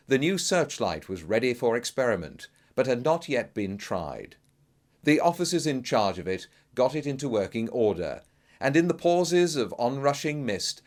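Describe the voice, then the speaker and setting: A man narrating a classic Gothic tale in a theatrical, grave and suspenseful manner, as a melodramatic audiobook reading. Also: mid-range voice. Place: recording studio.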